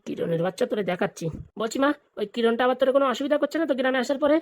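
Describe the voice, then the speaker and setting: Performer acting a crafty village grandpa, grumbling, protective, high-pitched cartoon voice, very rapid. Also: animated. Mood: vengeful muttering. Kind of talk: exaggerated cartoon comedy dialogue.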